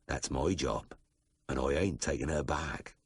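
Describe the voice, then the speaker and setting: A man voicing Joe, a steady cattleman who speaks in a soft, slow, unhurried drawl. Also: rumbling low, husky, dry recording, studio quality, pitched below the performer's own voice, full character voice. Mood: firm.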